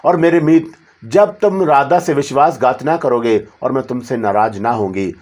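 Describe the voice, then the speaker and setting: A man's voice: mid-range voice, close to an everyday voice. A man voicing a devoted, lovesick young female spirit who speaks tenderly and with longing. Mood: yearning. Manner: tender, yearning, softly pleading.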